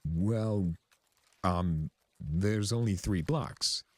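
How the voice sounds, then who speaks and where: A man acts out a flustered male pegasus clerk for a cartoon fan story. He is dutiful and timid, hesitating politely over his words. The delivery is slow, with a soft husky grain and a close, dry sound. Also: sits low, dry recording, heavily acted. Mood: nervous. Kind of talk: cartoon fan fiction reading.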